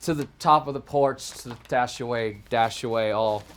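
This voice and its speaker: A man's voice: medium pitch, normal speed, slight background noise. A man giving a dramatic, emphatic storytelling reading of a poem, with dry exasperated asides. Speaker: reader and host of a holiday poem segment. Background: music behind the reading.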